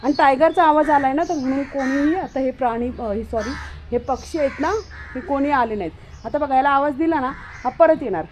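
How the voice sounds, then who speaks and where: A woman vlogging casually outdoors at home while doing chores, talking straight to her viewers and calling loudly to her dog. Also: high voice, a little fast, a little hiss or hum. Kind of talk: casual home vlog narration. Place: outdoors at home, washing dishes in the morning.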